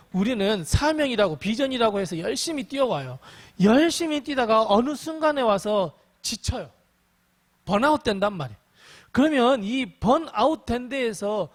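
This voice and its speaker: A male pastor teaching a Bible study in a lively preaching manner, acting out dialogue as he explains. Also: very high voice, moderate pace. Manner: animated, acts out dialogue in the preaching.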